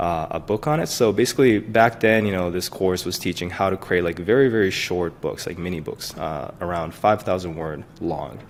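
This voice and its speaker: A man with a non-native accent and a very deep, low pitch speaks with ordinary pitch variation over noticeable background noise. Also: moderate pace. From grew up abroad, moved to Hawaii at fourteen. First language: not English. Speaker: self-publishing entrepreneur. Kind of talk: interview. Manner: casual, many fillers.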